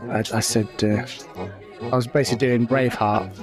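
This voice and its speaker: A man's voice: mid-range voice, fairly even intonation, a little fast, music in the background. A man co-hosting a casual podcast chat, playful and announcing segments like a game show. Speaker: podcast co-host.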